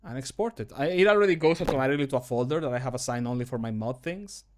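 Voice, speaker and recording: A man's voice: mid-range voice, expressive, rapid-fire, darkish tone, slight background noise. A middle-aged man chatting casually and self-deprecatingly as he streams from a small room at home, close on the microphone. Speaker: streamer recording voice lines for a game mod. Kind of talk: casual livestream commentary.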